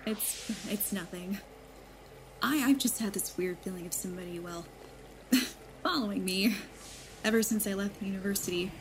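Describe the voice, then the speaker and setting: A woman's voice: medium pitch, moderate pace, long pauses, a little hiss or hum, natural voice, poor audio. A woman playing a probing young woman of twenty-one in an audio drama, outwardly light and secretly uneasy. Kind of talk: naturalistic audio drama acting. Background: background music.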